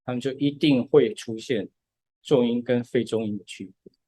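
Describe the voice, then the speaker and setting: A man talks through musical ideas at an unhurried, patient pace, often dropping in short words of agreement. His voice is mid-pitched. It is recorded close and dry, with no room sound. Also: dark tone, dry recording. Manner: patient step-by-step explaining, often says "对". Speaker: podcast co-host explaining music. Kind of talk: casual podcast chat.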